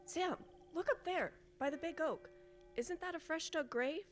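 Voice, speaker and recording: A woman acts an uneasy small-town villager in a radio mystery. The voice is high-pitched, folksy and dramatically urgent. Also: moderate pace, soft background music. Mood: curious, uneasy. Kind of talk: old-time radio drama acting.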